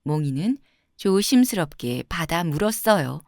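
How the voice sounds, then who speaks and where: A woman tells a children's fairy tale as a scripted narration. Her delivery is gentle and very melodic, phrase by phrase, with a close, dry sound. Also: on the low side, unhurried, no echo. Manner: gentle, expressive storytelling with clear phrasing.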